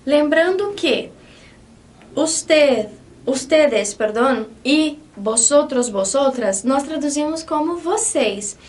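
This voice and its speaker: A woman's voice: high voice, expressive, takes it slowly, darkish tone, recorded from a distance. A Brazilian woman with a Brazilian Portuguese accent, teaching a Spanish lesson in a patient way and checking in often with her students. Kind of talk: online language lesson.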